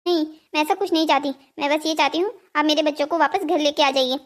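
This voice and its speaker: An anxious cartoon mother acted by a woman, pleading with and reproaching her husband. Her female voice is extremely high. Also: steady tone, fast, lightly acted. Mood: worried, reproachful. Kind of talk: scripted cartoon story dialogue.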